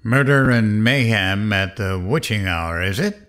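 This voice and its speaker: An actor playing a cocky, vengeful late-night radio host, sardonic and goading, in dramatic narration and interview. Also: male voice, lowish voice, unhurried, a bit bright. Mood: mocking.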